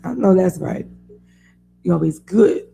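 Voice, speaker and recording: A woman with a raspy voice hosting a casual sports talk radio show, chatty and opinionated, laughing often. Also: lowish voice, a little slow, mellow, slight background noise.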